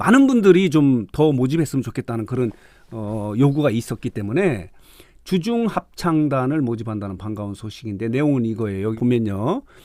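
Lively intonation runs through this man's speech. He has an unremarkable speaking voice of medium pitch. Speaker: news commentator host. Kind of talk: news commentary presentation. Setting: phone call interview segment.

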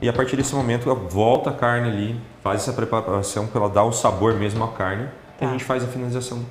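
Amid audible room echo and light background noise, a man races along at a very fast pace in a medium pitch with fairly even intonation. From Itapejara, Paraná, Brazil. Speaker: chef. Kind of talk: cooking demonstration. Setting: TV studio kitchen. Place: kitchen.

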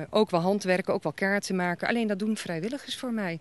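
With ordinary pitch variation, a woman speaks in a dry sound with no echo. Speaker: activity coordinator at care home. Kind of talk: interview answer. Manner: enthusiastic. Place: street. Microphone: handheld.

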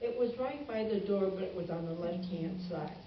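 With audible room echo and noticeable background noise, a woman speaks with ordinary pitch variation. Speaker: commission member reporting. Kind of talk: meeting report. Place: meeting room. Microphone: camera far.

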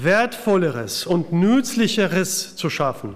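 A man's high voice with an Eastern European accent, at a very slow pace. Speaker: preacher. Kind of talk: sermon to a church congregation, teaching with Bible readings and a closing prayer. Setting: church. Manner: conversational and explanatory, repeating 'ja' often, with a halting, improvised delivery; changes volume; says he may be too loud or too quiet. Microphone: podium.

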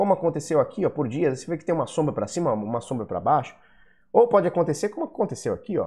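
Against a quiet background, a man with a high pitch and a dark, mellow tone talks at a very fast pace with lively intonation. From Brazil. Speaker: YouTube crypto market commentator. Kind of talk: casual market analysis vlog. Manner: animated. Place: home room.

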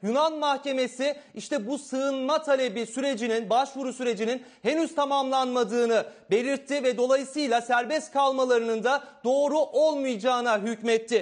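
With hardly any pauses, a man speaks at a moderate pace in an extremely high voice with fairly even intonation against a quiet background. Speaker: news correspondent. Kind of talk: live news report. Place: studio. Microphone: lapel.

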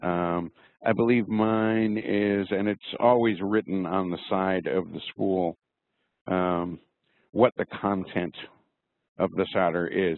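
A man with a very deep, low pitch talks at a very slow pace, leaving long, frequent pauses and keeping his intonation fairly even. The sound is dry with no echo, over a quiet background. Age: 60s. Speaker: live sound engineer and cable repair technician; audio engineer host. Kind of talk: webinar tutorial. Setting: video call webinar. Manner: frequent fillers (uh, um). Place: studio.

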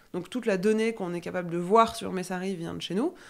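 A woman speaks at a fairly quick pace. Her pitch varies in an ordinary way over a quiet background. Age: 30s. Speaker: fintech company CEO; guest. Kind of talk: interview. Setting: at a blockchain conference in Paris. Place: studio. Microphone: studio mic.

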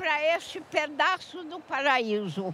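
Very slowly, a woman talks with very wide pitch swings, the sound dry with no echo and light background noise. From Minas Gerais, Brazil. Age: 80s+. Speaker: elderly supporter of the network. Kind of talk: interview answer. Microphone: handheld.

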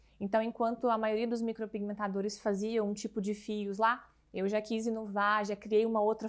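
Over a quiet background, a woman talks at a moderate pace in a fairly high voice. Her intonation is monotone and flat. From Minas Gerais, Brazil (small interior town). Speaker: beauty entrepreneur and cosmetologist; interview guest. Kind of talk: interview. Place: studio. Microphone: lapel.

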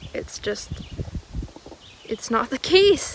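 A woman speaks over light background noise. The sound is dry, with no echo. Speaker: small farmer vlogger. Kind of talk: casual vlog chat. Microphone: phone near.

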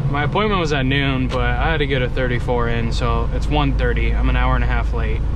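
A man at a fairly quick pace with hardly any pauses, dry sound with no echo, over loud background noise. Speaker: truck driver vlogger. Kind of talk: casual vlog chat. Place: car. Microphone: camera far.

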